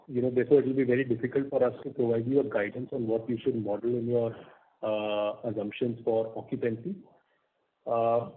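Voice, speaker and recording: A man with an Indian accent answers questions on an earnings call as a company executive, measured, formal and cautious, over a phone line. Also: mid-range voice. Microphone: conference call phone. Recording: husky-sounding narrowband conference phone line.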